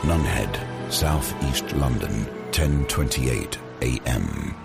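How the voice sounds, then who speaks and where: A man playing the grave, ominous narrator of a gothic audio drama, deliberate and given to dramatic pauses. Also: rumbling low, expressive, vocal fry, loud music behind the voice, exaggerated voice.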